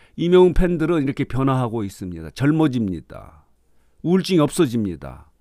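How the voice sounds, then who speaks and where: A man's pitch swings very widely as he talks at a moderate pace, with a dry sound with no echo and a quiet background. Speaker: news commentator / YouTube host. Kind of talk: news commentary narration. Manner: fluent, enthusiastic, with filler words.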